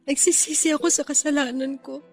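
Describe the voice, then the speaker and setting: A woman's voice: high-pitched, steady tone, fairly quick, faint music behind. A woman playing a remorseful, fragile bride, tearful and pleading, in a radio romance drama. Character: remorseful, fragile bride begging her groom's forgiveness.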